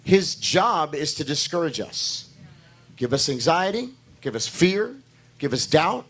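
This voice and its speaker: Hoarse male pastor, high-pitched, repetitive and emphatic preaching style. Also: sing-song, a little slow, fairly bright tone. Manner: talks to the congregation directly, asking for amens. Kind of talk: sermon.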